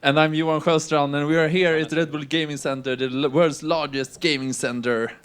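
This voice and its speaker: A man's voice: a little high, level tone, fairly quick, a bit bright, clear, resonant tone. A man co-commentating live at an event venue. He speaks hesitantly, with many fillers and restarts. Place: gaming center event studio.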